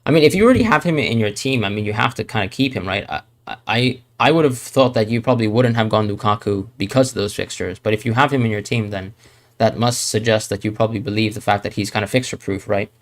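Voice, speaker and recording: A man's voice: lowish voice, fast. A man from Hong Kong hosting a live Q&A stream, thinking aloud and hedging, with frequent fillers and restarts. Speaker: fantasy football streamer. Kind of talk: live Q&A stream answering chat.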